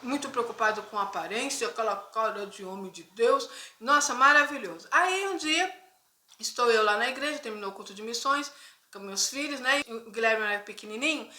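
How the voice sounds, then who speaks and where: Bright Brazilian woman telling her story. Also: a little high. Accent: Brazilian Portuguese. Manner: conversational, frequent tag questions to viewers. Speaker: Christian vlogger. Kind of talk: personal testimony storytelling. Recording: echoey room.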